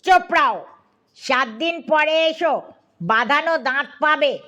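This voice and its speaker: A woman voicing a gruff, bossy male dentist who scolds and barks orders. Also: high-pitched, takes it slowly, sharp tone, muffled recording, full character voice. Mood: scolding.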